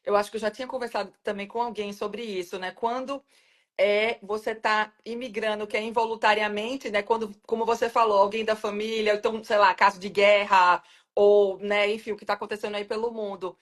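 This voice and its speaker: A woman's voice: mid-range voice, steady tone, fairly quick. A woman hosting an interview who affirms the guest and builds on her points, often adding "né?". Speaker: host. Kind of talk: conversational interview.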